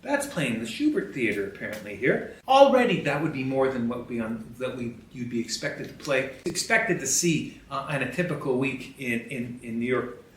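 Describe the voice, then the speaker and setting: A man's voice: medium pitch, big pitch swings, normal speed. A man hosting a history podcast, talking in a conversational, colloquial and emphatic way as he gives a commentary. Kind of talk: animated commentary with newspaper headlines read aloud. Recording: echoey room, distant from the mic.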